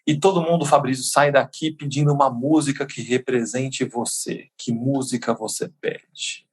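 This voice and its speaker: A man's voice: mid-range voice, fairly even intonation, moderate pace, husky. A man hosting a podcast interview in a casual, effusive way that often repeats words. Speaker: podcast host.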